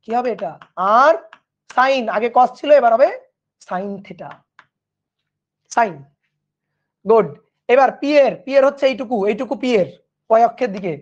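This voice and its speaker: A man teaching a physics lesson online, talking casually and often checking whether his students follow. At times he drops to a hushed voice. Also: very high-pitched, measured pace, long pauses, lo-fi sound. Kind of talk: online class lecture.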